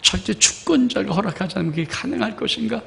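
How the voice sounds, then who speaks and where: A man preaching a sermon in a fairly high, gravelly voice. He keeps asking the congregation questions and acts out God and the people as he goes. The sound carries a long reverb, as if it is coming from a church hall. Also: lively intonation, fast talker, sharp tone. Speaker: pastor.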